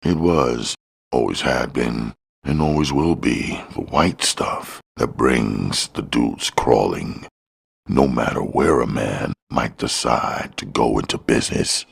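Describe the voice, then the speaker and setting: A man's voice: a bass voice, slow pace, creaky, breathy edge. A man reading scripted crime fiction as an audiobook narrator. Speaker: audiobook reader.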